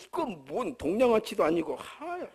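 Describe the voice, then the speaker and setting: A man's voice: high-pitched, wildly swooping pitch, normal speed, darkish tone. A male pastor with a Jeolla accent, delivering a humorous, conversational sermon full of rhetorical questions at a church service. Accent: Jeolla Korean.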